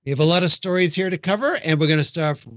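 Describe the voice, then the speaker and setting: A man hosting a casual podcast, talking conversationally with quick jokey asides. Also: fairly high pitch, very noisy. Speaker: podcast host. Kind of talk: casual chat.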